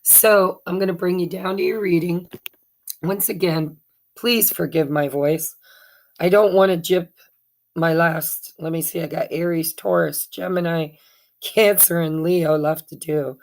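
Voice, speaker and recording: A woman with a hoarse voice from allergies, giving a casual tarot card reading in a chatty, meandering way with many fillers and self-corrections. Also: lowish voice, steady tone, a little slow, darkish tone. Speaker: tarot reader.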